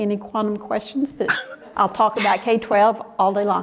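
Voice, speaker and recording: A woman talks in a Southern US accent. Noticeable background noise is present. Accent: southern drawl. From Texas. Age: old. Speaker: former high school physics teacher, educator. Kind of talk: panel discussion. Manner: animated.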